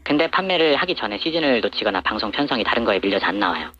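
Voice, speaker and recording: Man, voice disguised by a voice changer, quick-talking, lively pitch, matter-of-fact. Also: highs cut off. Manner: matter-of-fact, peppered with hesitant fillers. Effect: voice disguised by an electronic voice changer. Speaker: anonymous supplier to TV shopping channels. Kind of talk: interview answers.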